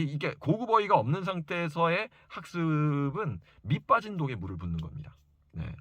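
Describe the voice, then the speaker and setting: A man's voice: medium pitch, a bit bright, slightly rough, no echo. A man giving an informal educational talk to parents as a study coach, speaking emphatically and insistently and repeating key points for stress. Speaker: private reading and study coach advising parents.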